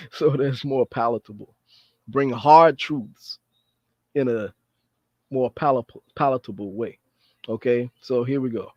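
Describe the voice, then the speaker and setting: A man's voice: medium pitch, a little slow, long pauses, darkish tone, dry recording. A man hosting a talk show in an earnest, repetitive way, often adding "you know" and "okay". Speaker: podcast host. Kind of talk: casual commentary. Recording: dry, dull lo-fi sound.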